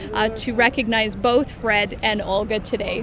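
The speech moves at a moderate pace, dry with no echo, over noticeable background noise. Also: woman. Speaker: government minister. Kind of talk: interview answer. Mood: warm, enthusiastic, smiling. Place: stadium.

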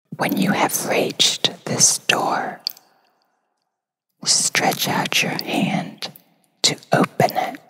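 Whispering at a very slow pace, a woman speaks with long, frequent pauses. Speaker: ASMR and guided meditation creator. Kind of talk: guided meditation. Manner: whispered, soft-spoken, slow.

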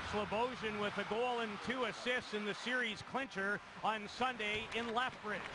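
A raised, projected voice speaks at a moderate pace in a monotone, flat intonation. The sound is dry with no echo, though loud background noise is present. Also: man, high pitch for a man. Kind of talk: live play-by-play commentary; sports commentary.

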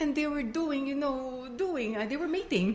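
Noticeable background noise sits behind a woman whose pitch swings very widely as she talks at a moderate pace. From Philippines (Mindanao). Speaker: former TV news anchor. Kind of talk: interview.

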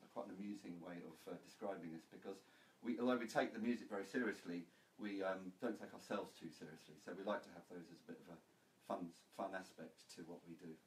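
Speaking very fast, a man with a very deep, low pitch shows ordinary pitch variation and big swings in loudness. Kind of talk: interview answer. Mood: cheerful, light-hearted. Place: studio. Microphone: camera far.

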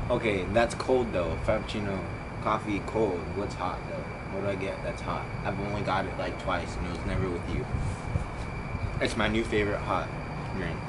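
A man talks at a moderate pace, leaving long, frequent pauses, while loud background noise carries on behind him. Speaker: couple vlogger. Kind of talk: casual Q&A vlog chat. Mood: playful, relaxed. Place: garden.

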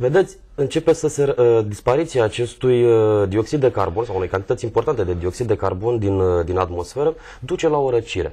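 A man's medium-pitched, somewhat breathy voice with a dark, mellow tone, lively intonation and a fairly quick pace. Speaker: magazine editor. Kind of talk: educational discussion. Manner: explanatory.

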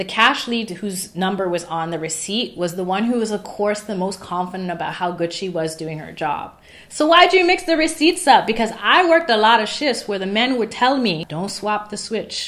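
A woman talks at a moderate pace with hardly any pauses, her pitch swinging very widely. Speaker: vlogger. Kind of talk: casual storytime chat. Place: home room.

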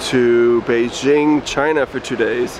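Over noticeable background noise, a man talks at a very slow pace in a dry recording with no echo. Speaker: travel vlogger. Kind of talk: casual vlog chat. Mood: relaxed, upbeat. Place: boat. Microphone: phone near.

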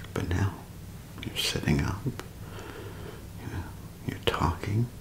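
A man whispers in a gentle tone. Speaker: caretaker role-play host. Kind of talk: soft role-play talk to the viewer. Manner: soft, gentle ASMR-style speech. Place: home room. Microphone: phone near.

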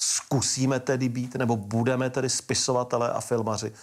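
The man speaks at a moderate pace with the background quiet. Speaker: interviewer and travel documentary host. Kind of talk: interview questions. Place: home room.

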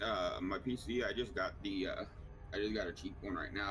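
Noticeable background noise under a man's moderately paced talking. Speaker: gamer helping in voice chat. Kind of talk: casual gaming chat with tips. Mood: subdued, personal. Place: home room. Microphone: headset.

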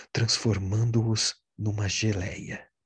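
In a dry, close sound with no echo, a man speaks at a very slow pace with a fairly low pitch. His intonation is monotone and flat, and his voice is somewhat breathy. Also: quiet background. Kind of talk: audiobook narration; reading aloud a thriller, with dialogue lines read in character. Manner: steady, measured narrator pace, tense and suspenseful; unedited reading with occasional repeated words and self-corrections.

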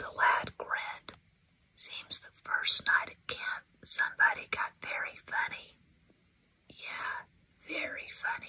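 Someone is whispering at a fairly slow pace. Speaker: reader. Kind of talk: audiobook reading. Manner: whispered.

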